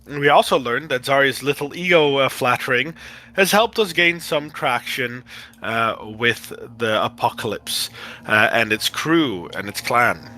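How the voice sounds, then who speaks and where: A man with a shredded, hoarse voice giving a halting recap of a tabletop game session, with frequent fillers and throat clearing. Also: medium pitch, lively intonation, bright, forceful tone.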